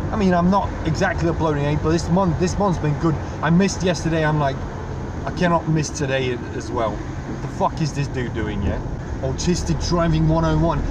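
The voice moves at a fairly quick pace with ordinary pitch variation over loud background noise. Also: man. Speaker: vlogger driving. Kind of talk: casual vlog chat. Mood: relaxed, self-mocking. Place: car. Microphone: phone near.

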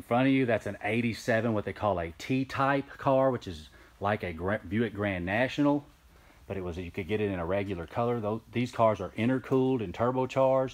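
A man with a normal speaking voice, fairly low in pitch, at a moderate pace. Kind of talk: casual walkthrough commentary. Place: garage. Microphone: phone near.

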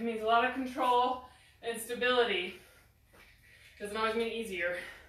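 A woman speaks with audible room echo. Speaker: fitness instructor. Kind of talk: workout instruction. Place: garage. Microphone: camera far.

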